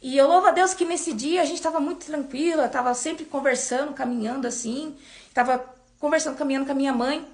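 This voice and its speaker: A young Brazilian woman in her twenties shares a personal faith testimony in a high voice. She tells it in an animated way, repeating words for emphasis. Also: a little fast. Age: 20s. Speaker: church member giving testimony.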